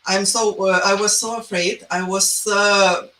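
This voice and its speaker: A woman from Lithuania with a Lithuanian accent, a guest speaking halting non-native English with many pauses. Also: mid-range voice, fairly even intonation, a bit bright. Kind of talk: hesitant guest talk. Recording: roomy distant call audio with faint noise.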